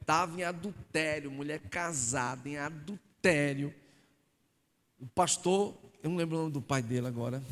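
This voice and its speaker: A man preaching a joking, lively sermon as a pastor in a church hall. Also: fairly high pitch. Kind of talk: sermon teaching.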